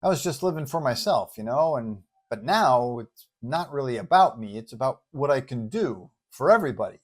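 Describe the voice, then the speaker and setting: A confident male superhero, acted by a man telling the story. He speaks in a medium-pitched voice, breezy and colloquial, with a well-meaning streak. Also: animated, normal speed, natural voice. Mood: earnest, casual.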